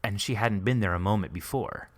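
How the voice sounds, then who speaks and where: A man's voice: lowish voice, a little fast. A man hosting a podcast, talking casually as he interviews a guest. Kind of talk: casual behind-the-scenes interview.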